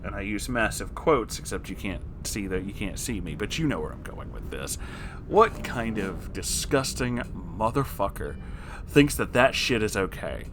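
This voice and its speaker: A man reading a story aloud as host and reacting to it, with an expressive, exasperated and sarcastic manner. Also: lowish voice, normal speed, background noise. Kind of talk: story narration with reaction commentary.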